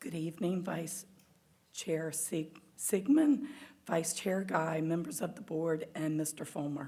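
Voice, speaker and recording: A put-on character voice from a woman, hoarse and raspy, fairly low in pitch, with ordinary pitch variation and a fairly slow pace. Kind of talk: formal, polite.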